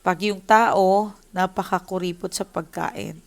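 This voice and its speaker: A woman's voice: medium pitch, steady tone, a little slow, vocal fry. A woman giving a casual tarot reading, emotional and speaking straight to her viewers, mixing Tagalog with English. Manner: addresses viewers directly. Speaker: tarot reader.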